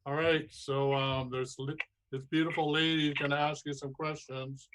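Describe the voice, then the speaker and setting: A man's voice: a little high, flat delivery, moderate pace, fairly bright tone, rough recording. Guy co-hosting, takes the calls, easygoing, faint clicky noise behind. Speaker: co-host. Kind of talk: live call-in show hosting.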